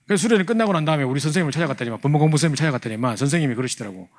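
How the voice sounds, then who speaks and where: A man's voice: a little high, animated, very fast. A man telling a humorous testimony to a church class, acting out his younger self. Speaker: church youth leader teaching a training class.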